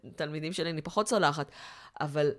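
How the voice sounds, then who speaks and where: Teacherly woman explaining with animation. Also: low-pitched. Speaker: academic expert guest. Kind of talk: casual podcast discussion.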